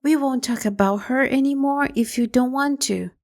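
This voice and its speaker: A woman voicing a polite, curious young girl in a storybook, speaking gently and earnestly. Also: sits high, normal speed.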